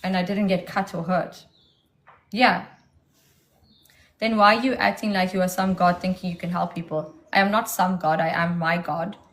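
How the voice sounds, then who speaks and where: A woman's voice: on the low side, steady tone, moderate pace. Defiant woman livestream host. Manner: defiant, mocking comebacks. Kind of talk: casual livestream argument.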